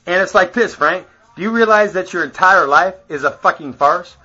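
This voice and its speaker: A man's voice: high-pitched, normal speed, pushed and bright, slightly rough. A man in a rambling, profane rant to the camera, boastful and chuckling between phrases, on a dull lo-fi home video.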